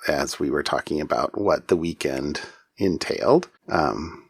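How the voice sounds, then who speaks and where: A man's voice: extremely low pitch, unhurried, creaky, husky, dry recording, clean studio sound. A middle-aged man co-hosting a podcast, sleepy and yawning, chatting casually in a rambling way with many restarts. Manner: rambling, with frequent restarts and self-interruptions. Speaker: podcast co-host. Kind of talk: casual chat.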